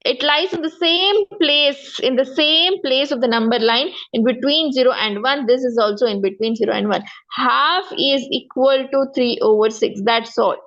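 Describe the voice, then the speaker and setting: High-voiced South Asian woman teacher, muffled audio. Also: moderate pace, fairly bright tone. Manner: repetitive, frequent check-in questions. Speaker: maths teacher. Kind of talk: one-to-one lesson, explaining step by step.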